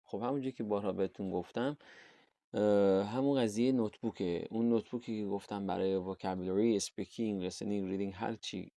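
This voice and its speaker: Persian-accented male IELTS tutor, low mellow voice, dry close sound, patient explainer. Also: steady tone, dry recording. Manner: explains patiently, reads English terms slowly and carefully. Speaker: English teacher. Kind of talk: online IELTS lesson.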